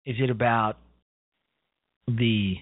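A man's voice: medium pitch, steady tone, slow pace, husky, dry recording. A man in his fifties hosting an internet talk radio show, rambling casually and cutting himself off with "you know". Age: 50s. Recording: tinny phone-line audio, dry.

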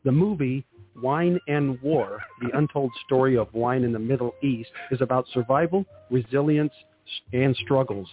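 Hoarse man reading radio announcements. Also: mid-range voice, narrow, tinny audio. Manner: halting, with many "uh" fillers. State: losing his voice. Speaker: radio show co-host. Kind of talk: reading past guest announcements.

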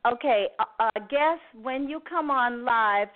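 A woman hosts a live call-in show in a deliberate way. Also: on the high side, slight background noise. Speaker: show host. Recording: tinny phone-like line.

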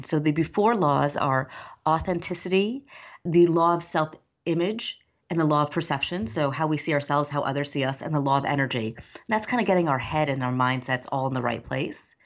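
A woman from New Jersey guests on a podcast and lays out her points in a clear, organized order. Her voice sits low for a woman. The sound is a little muffled and dull. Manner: organized, explanatory. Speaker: guest author. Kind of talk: podcast interview.

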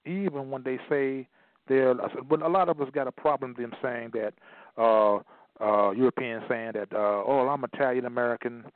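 A man delivering a forceful lecture at a middle pitch, repeating key phrases for stress and sometimes reading from a page. The sound is thin and phone-like, with no room echo at all. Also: fairly even intonation, normal speed. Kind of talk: emphatic lecture, partly read aloud. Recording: tinny phone-like line, dry.

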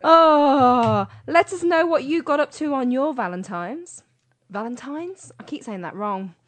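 A woman's voice: high voice, big pitch swings, normal speed, no room sound. Giggly woman radio co-host. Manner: chatty, giggly, a little scatterbrained. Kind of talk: casual radio chat. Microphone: studio microphone.

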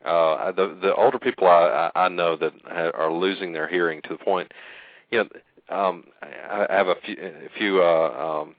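A man with a deep voice co-hosting a podcast, speaking earnestly and hesitantly, with many pauses. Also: fairly even intonation, dry recording. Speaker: podcast co-host. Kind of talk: casual podcast conversation. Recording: tinny phone-line call audio.

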